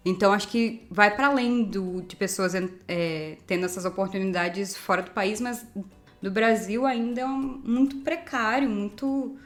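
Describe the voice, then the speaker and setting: A woman's voice: mid-range voice, fairly even intonation, normal speed, soft background music. A woman with a Brazilian Portuguese accent co-hosting a podcast, speaking earnestly and with emphasis. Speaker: podcast co-host. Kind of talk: casual chat.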